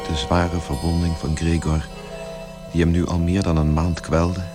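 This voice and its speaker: An actor as the grave storyteller, giving measured literary narration in a radio play. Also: male voice, sits low, little pitch movement. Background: music.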